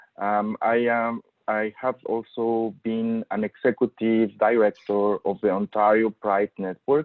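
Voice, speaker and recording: In a non-native accent, a man talks at a fairly slow pace with monotone, flat intonation. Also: medium pitch for a man, hardly any pauses. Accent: noticeable non-native. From Mexico. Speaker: HR consultant. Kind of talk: webinar presentation. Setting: online webinar.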